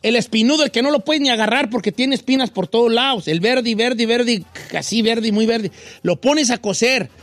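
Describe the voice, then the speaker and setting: High-voiced Mexican man, playful and slangy. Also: a little fast, a bit bright, no room sound. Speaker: show host. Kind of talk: casual chat, reading listener messages.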